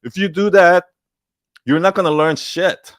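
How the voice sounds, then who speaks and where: A man talking casually on a livestream, animated, swearing often and acting out quoted advice. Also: high-pitched, measured pace, no room sound, clean studio sound. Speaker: online creator answering questions.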